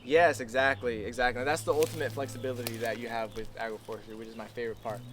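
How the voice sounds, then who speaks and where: A man's voice: medium pitch, fairly even intonation, fast talker. A man who farms a food forest, talking in a loose, chatty way outdoors on a farm, with many restarts. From United States. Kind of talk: casual outdoor interview. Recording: background music under the voice.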